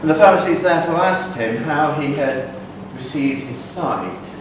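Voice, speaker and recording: A man narrating a dramatic reading of scripture at a conference, deliberate and expressive. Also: on the high side. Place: conference hall. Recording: echoey hall from far off, background noise.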